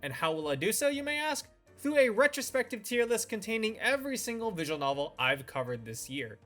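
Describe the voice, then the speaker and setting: Higher-voiced man reviewing over music. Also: sing-song, brisk, bright, forceful tone. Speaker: video reviewer and host of a review channel. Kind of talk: semi-scripted review commentary.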